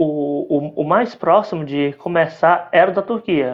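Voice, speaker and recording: At a very slow pace, a man talks. His pitch is fairly high. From Ceará, Brazil (Fortaleza). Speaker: English teacher. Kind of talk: interview.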